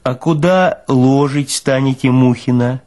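A man's voice: mid-range voice, a little slow, darkish tone, lightly acted. A male actor voicing a hearty young morgue orderly with a sugary, ingratiating singsong manner. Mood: puzzled, put out.

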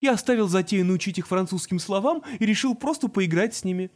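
A man's voice: high voice, lively intonation, fairly quick, darkish tone, voice pushed up. A man voicing a patient teenage boy genius who talks in a precise, lecturing way.

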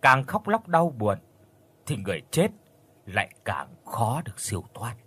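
A man's voice: mid-range voice, sing-song, normal speed, fairly bright tone, slightly rough. A man doing a stern old village sorcerer. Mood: grave, firm. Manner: solemn, firm. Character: stern elderly male village sorcerer, grave.

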